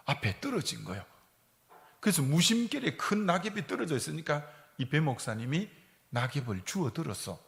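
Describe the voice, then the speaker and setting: A male pastor preaching a sermon, telling a story and swinging between hushed and fervent delivery. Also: on the high side, gravelly. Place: church sanctuary. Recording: long reverb of a church sanctuary.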